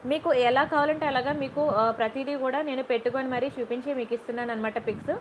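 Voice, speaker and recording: A woman with a high, bright-toned voice hosts a live jewellery sale. She chats warmly with viewers, greets them by name and keeps asking "okay?" as she goes. A faint background hiss sits under her voice. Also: rough recording. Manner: warm and chatty, greets viewers by name, repeats "okay?" to check in; mixes English words and phrases into her Telugu. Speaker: jewellery seller on a live stream. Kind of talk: chatty live sales stream.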